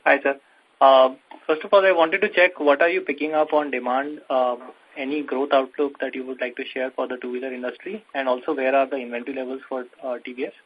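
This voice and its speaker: A man's voice: mid-range voice, fairly even intonation, fast talker, slight background noise. A man with an Indian accent politely putting questions as a financial analyst on an earnings call. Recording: dull, muffled phone line.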